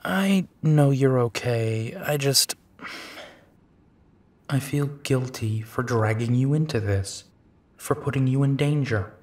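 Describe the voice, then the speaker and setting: A man playing a gentle, protective, weary werewolf detective in an intimate audio roleplay, with a soft, halting delivery. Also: mid-range voice. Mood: tender, flustered.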